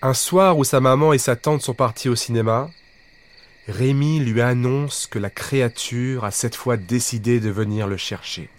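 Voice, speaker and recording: A man telling a bedtime story in a lively, expressive reading voice. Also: mid-range voice, normal speed.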